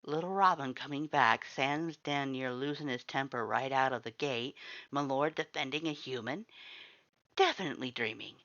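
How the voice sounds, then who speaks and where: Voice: mid-range voice, normal speed, fairly bright tone, dull audio, natural voice. A performer voicing a dazed, laid-back male skeleton monster who mutters to himself in disbelief in a story reading.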